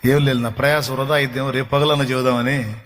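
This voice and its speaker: A man's voice: medium pitch, fairly even intonation, fast talker, fairly bright tone, a little hiss or hum. A male pastor preaching a sermon with emphasis, often putting rhetorical questions to his congregation.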